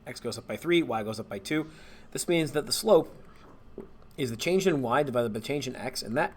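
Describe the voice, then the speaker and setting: Guy teacher talking through algebra homework, laid back, thinks out loud, fixes himself mid-sentence. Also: medium pitch, brisk. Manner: relaxed, thinking aloud, self-correcting. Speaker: math teacher. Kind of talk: homework walkthrough screencast.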